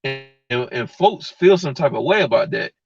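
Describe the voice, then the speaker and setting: A man's voice: mid-range voice, expressive, moderate pace, soft background music. A man hosting a livestream, giving a blunt, heated, slangy rant straight to his viewers. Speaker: livestream host. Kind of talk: casual slangy rant to live chat. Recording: dull lo-fi mic.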